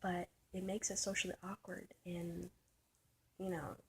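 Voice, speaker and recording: A trans man with a soft, light voice, thinking aloud in a personal vlog, halting and searching, often trailing into a whisper. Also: high-pitched, flat delivery, creaky, a little hiss or hum. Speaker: vlogger. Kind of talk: personal reflective vlog monologue.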